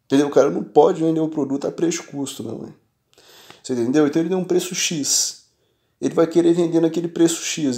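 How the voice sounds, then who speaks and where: Here a man's gravelly, fairly high voice comes through a Brazilian Portuguese accent. Both a shop owner and a tech channel presenter, he talks to the camera in a relaxed but forceful, animated style, regularly checking understanding with "entendeu?".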